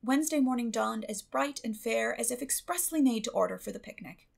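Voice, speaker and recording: A woman's voice: a little high, lively intonation, fairly quick, gravelly. A woman reading a classic novel as an audiobook narrator, in scripted literary storytelling style.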